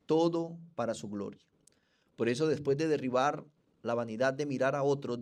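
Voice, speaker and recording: A male Colombian preacher delivers an expository sermon in a Colombian accent. He speaks with fervor and turns often to the congregation as brothers. His voice sits at a middling pitch for a man. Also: darkish tone. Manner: fervent, addresses the congregation as brothers. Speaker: pastor.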